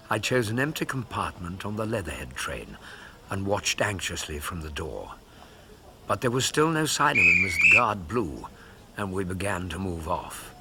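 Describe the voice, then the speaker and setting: A man playing Dr Watson, deep steady storyteller. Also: slight background noise, exaggerated voice. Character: Dr Watson, Victorian doctor and narrator, man. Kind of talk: audio drama narration.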